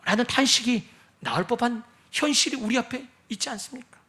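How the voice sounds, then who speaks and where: Male pastor, high voice, bright and forceful tone, dramatic sermon delivery, drops to near whispers. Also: fairly quick. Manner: dramatic preacher acting out prayers and Jesus' words.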